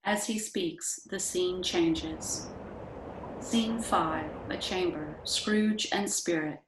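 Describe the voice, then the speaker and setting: A woman's voice: on the low side, takes it slowly. A woman reading scripted stage directions as narrator. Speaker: narrator, library staff reader. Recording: roomy echo, faint noise, clicks.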